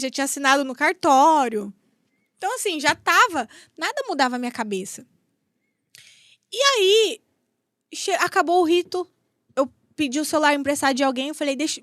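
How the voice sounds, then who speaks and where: Brazilian woman in her 30s, high voice, dry close sound, tells her story w lots of feeling and repeats stuff. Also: a bit bright, dry recording. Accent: Brazilian Portuguese. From Brazil, São Paulo state. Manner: emotional, acts out dialogue with repetitions. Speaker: podcast guest. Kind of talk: storytelling in an interview.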